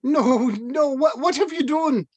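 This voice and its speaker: A man's voice: extremely high pitch, unhurried, dry recording. A man playing a furious, distraught bearded villager in his forties in a screenplay table read.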